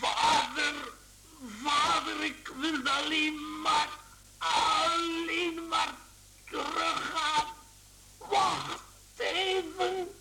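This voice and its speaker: Radio drama: pleading insect-man, high strained voice, halting delivery, noisy recording. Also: level tone, full character voice. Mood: frightened. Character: timid young travelling salesman turned beetle, pleading. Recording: clear background noise.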